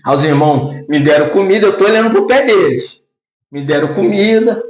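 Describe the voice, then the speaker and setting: High-voiced preacher man, echoey hall. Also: a little fast. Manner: animated, laughs often, acts out quoted voices; says of himself he speaks in a deep, gruff way. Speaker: pastor. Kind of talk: sermon.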